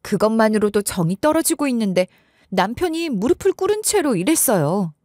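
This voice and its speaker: Brief: expressive female storyteller, slightly high voice, first-person narration. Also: fairly quick, no echo, studio quality.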